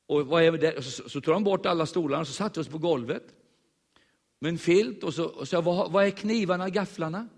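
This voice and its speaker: A man with a high voice tells a story from the pulpit, jumping into the voices of the people he met. His sermon rings out with a long hall reverb around it. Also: creaky. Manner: animated storyteller acting out voices. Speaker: preacher.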